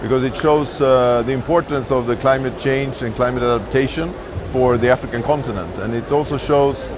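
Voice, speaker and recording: A man from Sweden who works at an embassy, speaking in a measured street interview with many filler pauses. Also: medium pitch. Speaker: embassy staff interviewed at a summit. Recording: outdoor noise.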